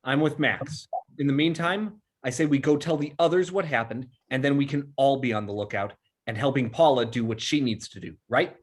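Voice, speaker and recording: A man's voice: medium pitch, normal speed, slight background noise, close to an everyday voice. An actor playing an anxious, earnest teenage boy, plain-spoken and urgent, in a horror comedy script read.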